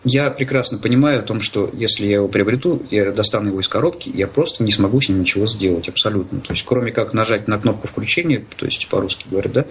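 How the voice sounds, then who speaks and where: Low-voiced man answering haltingly. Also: a bit bright, slight background noise, poor audio. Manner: halting, hesitant, searching for words. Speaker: interview guest, blind user of assistive technology. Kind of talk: conversational interview answers.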